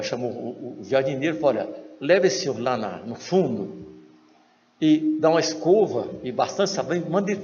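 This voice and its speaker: Man telling a story in a lecture hall. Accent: Brazilian Portuguese. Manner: acts out quoted dialogue with lively shifts in pitch. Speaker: spiritist lecturer. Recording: lo-fi hall recording with faint noise.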